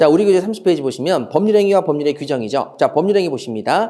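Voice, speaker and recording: Very wide pitch swings run through a dark, mellow tone. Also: man. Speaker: law lecturer. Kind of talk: lecture. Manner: question-and-answer call-and-response style.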